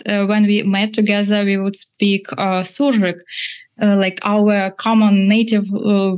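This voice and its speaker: A woman historian from eastern Ukraine, native in Ukrainian, answering an interview in a halting way as she searches for words. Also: mid-range voice, darkish tone.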